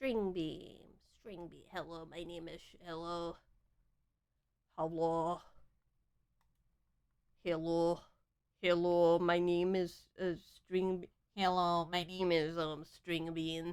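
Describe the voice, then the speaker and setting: In a put-on, nasal character voice, a woman speaks very slowly at a fairly low pitch with flat, monotone intonation, big swings in loudness, and long, frequent pauses. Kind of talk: casual live stream talk. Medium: role play.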